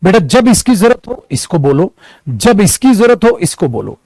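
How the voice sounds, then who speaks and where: A man's voice: high voice, sing-song, moderate pace, darkish tone, no room sound. A man teaching an online English lesson in a chatty way, calling his students "beta" and acting out examples. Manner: acts out examples.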